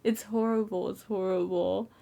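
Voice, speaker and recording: In a late-night bedroom vlog, a young trans content creator rambles casually and self-consciously, packed with "like" fillers. His high, feminine-sounding voice is fairly flat and creaky, at a normal speed.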